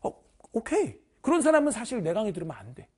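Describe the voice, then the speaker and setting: Lively, husky-voiced male math teacher. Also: high-pitched, fast. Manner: animated, teasing, bursts of shouting; informal, addresses students directly. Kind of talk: online lecture orientation.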